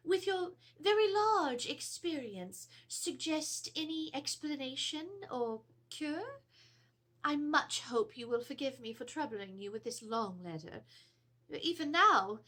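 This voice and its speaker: A high-voiced, genteel Edwardian lady played by an actress frets her way through a ghostly letter. Her delivery is theatrical and formal, with pitch swooping expressively through each phrase. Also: expressive, slow, a bit bright, heavily acted. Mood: fretful. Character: anxious, genteel Edwardian married lady reporting a haunting. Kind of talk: dramatic reading of a letter. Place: indoors, seated before a draped backdrop.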